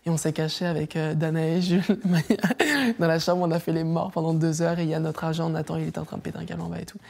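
A woman's voice: low-pitched, fast, creaky. A young adult woman, an interview guest, telling stories in casual chat, laughing often and acting out what others said. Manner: animated storyteller, laughs often, acts out quotes.

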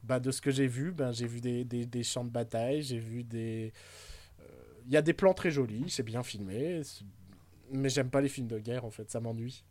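Male podcast co-host, mid-pitched, rambling and hesitant film chatter, dry close sound. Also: steady tone, moderate pace, darkish tone, no room sound. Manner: rambling, hesitant, with frequent fillers and jokes. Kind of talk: casual film chat.

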